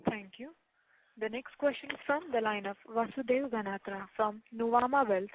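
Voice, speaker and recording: A woman's voice: on the high side, moderate pace, background noise. Female call operator, narrow phone audio. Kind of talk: formal scripted call moderation. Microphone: telephone.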